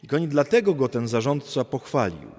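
A priest in a large church reading the Gospel and then preaching in a lively, colloquial storytelling manner with slang and asides. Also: male voice, medium pitch, fairly quick, breathy edge. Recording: long church reverb.

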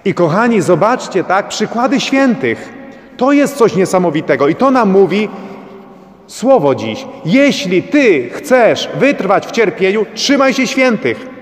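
A man's voice: sits high, big pitch swings, measured pace. A man preaching a sermon as a priest, urging his listeners with repeated rhetorical questions. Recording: long church reverb.

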